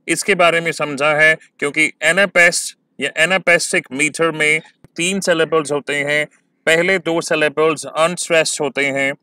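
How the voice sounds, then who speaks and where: A man teaching exam-prep poetry lessons, talking slowly and stretching words to show syllable stress. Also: fairly high pitch, pushed and bright, smooth, dry recording, studio quality.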